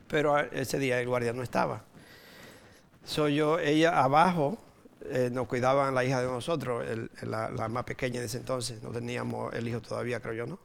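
A Dominican man in his sixties with a Dominican Spanish accent, giving an informal sermon with personal stories, playful and quick to chuckle, dropping in English words. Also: mid-range voice, vocal fry, a little hiss or hum. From Dominican Republic. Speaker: preacher.

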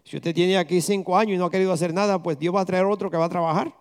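A man's voice: high voice, fairly even intonation, rapid-fire, clean tone. A man preaching a conversational sermon as pastor, firing rhetorical questions at the congregation and slipping English words into his talk.

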